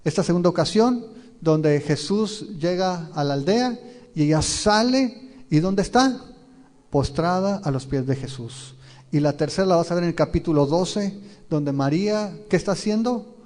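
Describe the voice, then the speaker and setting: A man preaches a verse-by-verse Bible sermon in a somewhat high, mellow voice. He keeps turning to his listeners with questions and tells the scenes vividly. His voice rings with the long reverb of a large church hall. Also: animated, normal speed. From Mexico. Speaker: pastor.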